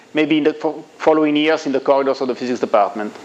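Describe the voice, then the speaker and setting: Noticeable background noise behind a man's voice of ordinary pitch variation. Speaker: physics lecturer. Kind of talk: lecture. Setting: recorded video lecture. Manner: fast; halting with fillers.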